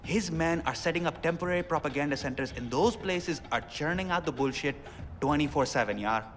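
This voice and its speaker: An actor playing an excitable, chatty young rebel radio DJ in a video game, with a South Asian accent and theatrical, slangy, rambling talk. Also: male voice, a little high, a little fast, natural voice. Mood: earnest, fired up. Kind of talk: game cutscene acting with radio patter. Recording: music behind, long reverb.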